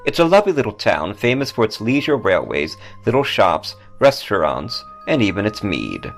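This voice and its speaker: Low, gravelly man narrating with swooping pitch. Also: sing-song, moderate pace. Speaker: podcast host and author. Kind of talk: scripted narration of ghost stories and travel. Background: background music.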